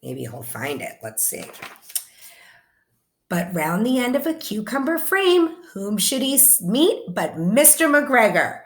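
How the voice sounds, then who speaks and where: A woman reading a children's story aloud in an expressive, animated way, as if to young listeners. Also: fairly high pitch, slow. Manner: animated, explains words and asks listeners questions. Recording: echoey room.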